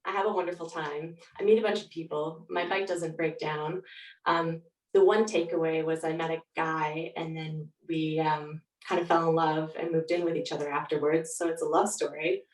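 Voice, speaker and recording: A woman's voice: sits low, steady tone, normal speed. A woman speaking as a guest author, in a thoughtful, reflective way. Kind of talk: reflective interview answers and reading aloud. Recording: roomy echo, distant mic.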